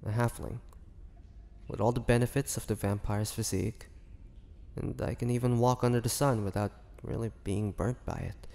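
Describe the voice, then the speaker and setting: Man playing a gravelly, brooding half-vampire in echoing hall. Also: medium pitch, steady tone, dark tone, natural voice. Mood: wry, reflective. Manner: halting, brooding, confiding. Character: melancholy male half-vampire confiding his tragic past. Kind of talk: slow dramatic monologue, audio roleplay. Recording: long reverberant hall, faint noise.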